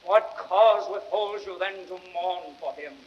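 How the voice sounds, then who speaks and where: An actor playing a grieving, slyly ironic Roman orator, delivering a measured, impassioned speech in classical Shakespearean radio-drama style. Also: male voice, sits high. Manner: declamatory, measured, rhetorical. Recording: dull vintage record sound.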